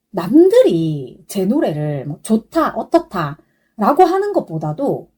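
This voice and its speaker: A woman's voice: mid-range voice, huge pitch swings, takes it slowly, dark tone, breathy edge. A young adult woman hosting a podcast, chatting casually and rambling with many fillers. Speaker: podcast host. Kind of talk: casual solo podcast chat.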